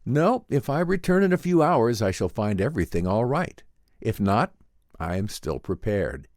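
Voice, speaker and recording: A man puts on an excitable, fearless adventurer devoted to science. His speech is formal yet ardent, with swooping, animated pitch and a theatrical old radio drama flavor. It is recorded dry and close. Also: normal speed, dry recording. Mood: resolute. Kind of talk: dramatic audiobook reading in old-time radio drama manner.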